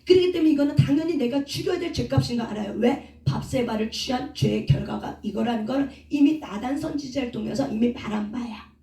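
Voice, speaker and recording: A woman preaches a sermon, firing rhetorical questions at her listeners and answering them herself. Her voice is fairly high and mellow. The recording is roomy, with the mic well away from her. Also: fairly quick. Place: prayer house. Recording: echoey room from a distant mic.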